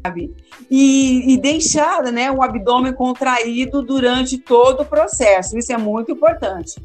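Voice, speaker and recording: This high-pitched woman speaks at a measured pace with a somewhat mellow quality, soft music underneath. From Amazonas, Brazil, she teaches and formerly hosted radio, and her interview answers are casual, hesitant and full of repeated words.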